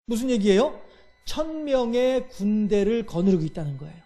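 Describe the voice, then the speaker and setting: A male pastor with a strikingly high speaking voice delivers a sermon. He talks straight to the congregation, asks question after question and fills each pause with a short "yes". He acts out everyday quarrels in lively voices.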